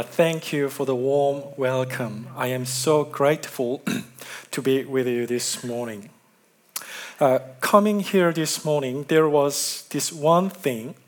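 Slow-speaking Korean-accented male pastor. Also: mid-range voice. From South Korea. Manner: slow, careful delivery with friendly asides. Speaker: guest pastor. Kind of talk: sermon.

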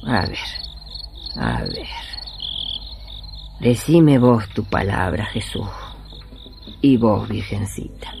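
Actor's folksy old Argentine healer woman, very expressive. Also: medium pitch, vocal fry, background noise, full character voice. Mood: musing, devout. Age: older. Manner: folksy, familiar, talking to herself and God. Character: doña Erigida, humble old woman folk healer, pious, cheeky. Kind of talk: radio play acting. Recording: music behind the voice.

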